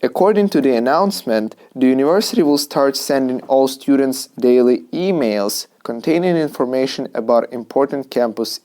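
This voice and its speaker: A man's voice: mid-range voice, dark tone. A young man, a university student, giving a structured spoken exam answer with frequent "uh" fillers. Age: young adult.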